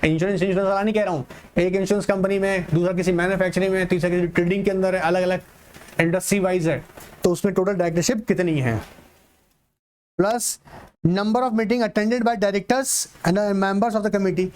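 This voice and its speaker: A male teacher with an Indian accent and a fairly high voice gives an online exam-prep lecture. He drawls through English lines word by word, then switches to quick, chatty Hindi explanations, speaking straight to his students and repeating each point. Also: fairly even intonation, a little mellow. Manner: mixes Hindi and English, reads slowly and explains fast.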